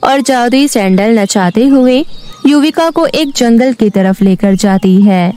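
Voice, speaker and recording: A woman tells a children's cartoon story in steady, clear narration. Her voice sits fairly high. Soft music plays behind her. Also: takes it slowly.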